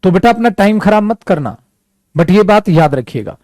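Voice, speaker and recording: Indian English-accented male teacher, bright high register with wide swings in pitch, fond "beta" to students, dry close sound. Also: lively intonation, dry recording. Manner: calls students "beta", mixes Hindi and English, slows right down for English examples. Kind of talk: bilingual classroom lesson.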